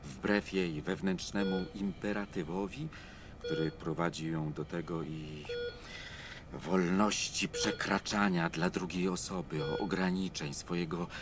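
A man's voice: deep voice, fairly even intonation, unhurried. An actor playing a devoted older monk and godfather in a radio drama, speaking eloquently and with feeling. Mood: earnest, grave. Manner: eloquent, emotive, swinging from hushed to exclaiming.

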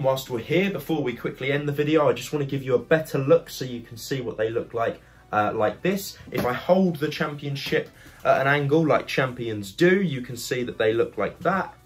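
A man's voice: mid-range voice, husky. A young man hosting a casual, chatty video review, talking informally and directly to his viewers. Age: young adult. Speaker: YouTube host and product reviewer.

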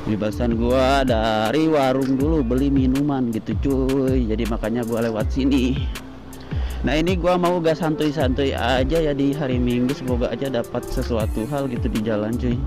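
Chatty young motovlogger man. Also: mid-range voice. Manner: chatty, rambling, peppers lines with slang tags. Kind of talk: casual slangy chat while riding. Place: outdoors on a moving motorbike.

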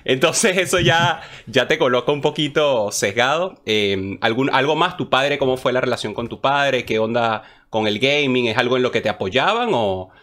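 A man's voice: mid-range voice, fairly bright tone. Young man hosting a friendly chat. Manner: friendly, brisk questions, "muy bien", "claro". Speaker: interview host. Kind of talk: casual interview over video call. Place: home streaming room. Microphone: headset on video call.

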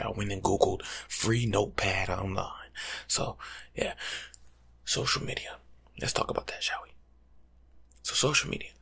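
Hushed, breathy young American man, creaky whisper. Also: fairly low pitch. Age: young adult. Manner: casual, slangy, teasing. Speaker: ASMR creator playing a life coach. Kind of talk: ASMR roleplay monologue, softly spoken and whispered. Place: small room at home, indoors.

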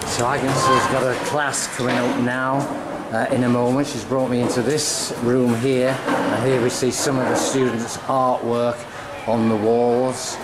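Slow chatty man filming a school tour. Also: medium pitch, flat delivery, reverberant, heavy background noise. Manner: slow, chatty, says uh often. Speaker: vlogger filming a school visit. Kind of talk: casual walking commentary.

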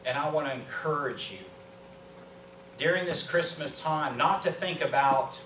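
American pastor preaching in a roomy church. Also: male voice, fairly high pitch, fairly bright tone. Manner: earnest, emphatic pauses and repetition. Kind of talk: sermon. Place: small church sanctuary, indoors. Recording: roomy, distant mic with background hum.

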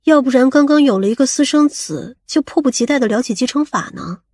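A woman playing a sharp-tongued, suspicious woman in an audiobook, scolding and probing. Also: high-pitched, fairly quick, breathy edge, dry recording, clean studio sound. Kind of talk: audiobook character acting.

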